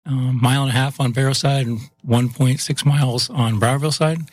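A man's voice: medium pitch, fairly even intonation, fairly quick. A plainspoken man answers interview questions about the pipes and water system he runs. He talks in an easygoing way and often ends his thoughts with a loose "so" or "yep". His voice sits in a middling range. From Massachusetts, US. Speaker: utilities chief of operations. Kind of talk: casual interview.

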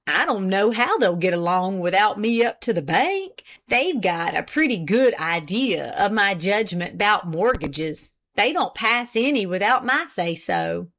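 A woman's voice: medium pitch, sing-song, unhurried, few pauses, fairly bright tone. A woman voicing a pompous, self-important old farmer husband with an indignant, boastful rural drawl.

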